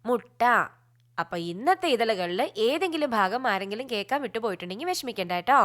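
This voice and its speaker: A woman hosting a children's radio show in a studio, chatting warmly and coaxing young listeners directly. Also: fairly high pitch.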